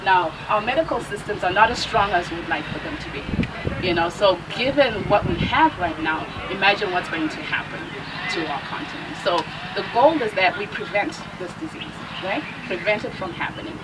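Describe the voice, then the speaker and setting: A woman from Zimbabwe, a nutritionist, giving a lively workshop talk with a loud voice, asking the audience questions. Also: mid-range voice, normal speed. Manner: engaging, asks the audience questions. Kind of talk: public talk to a live audience. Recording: distant mic with loud traffic noise outdoors.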